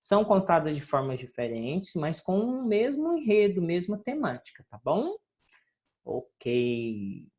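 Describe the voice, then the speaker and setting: A woman teacher walks her class through homework in a recorded lesson. Her voice sits low but swings widely in a sing-song way, and she takes her time. She is patient and keeps checking that everyone is following. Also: huge pitch swings, measured pace, darkish tone.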